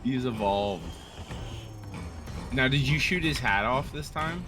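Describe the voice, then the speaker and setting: A man's voice: mid-range voice, animated, takes it slowly, over music. A man co-hosting a gaming series, chatting casually and jokily as he rambles along with a friend. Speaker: co-host of a gaming let's play series. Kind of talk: casual chat over gameplay, bantering with a friend.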